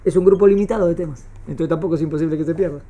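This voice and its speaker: A woman's voice: sits low, very fast, mellow, muffled recording. A woman with a Rioplatense Spanish accent teaching a class, often checking whether her students have understood. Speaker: religious studies teacher. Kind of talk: classroom lecture.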